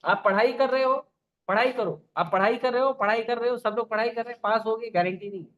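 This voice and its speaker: High-voiced Indian preacher, muffled. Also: male voice, fast talker, fairly bright tone. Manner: rhetorical questions to the audience; repetitive listing. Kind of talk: Gita lecture.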